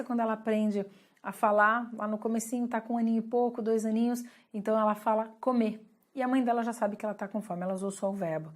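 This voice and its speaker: A woman's voice: mid-range voice, darkish tone. Brazilian woman teaching English, chatty. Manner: explanatory, checks in with "ok?" often. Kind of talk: online English lesson.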